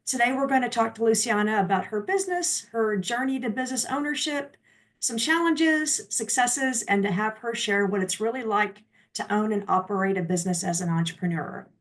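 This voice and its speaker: Brisk and fairly high-pitched, this female host launches her interview show with a slick, cheerful scripted intro. Her delivery stays polished and upbeat as she moves on to questioning the guest.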